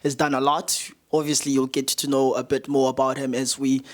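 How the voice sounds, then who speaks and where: A man's voice: mid-range voice, level tone, fairly quick. A man with a South African accent hosting a casual podcast interview at a guest's house, playful and hyping his guest with a put-on radio voice. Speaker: podcast host.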